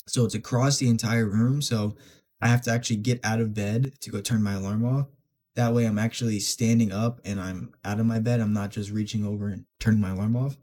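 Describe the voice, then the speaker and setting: Young male podcast host, congested nose, mellow dark tone, loose filler-heavy delivery. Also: fairly low pitch, steady tone, a little fast. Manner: casual, many filler words and restarts. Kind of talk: solo self-improvement podcast talk.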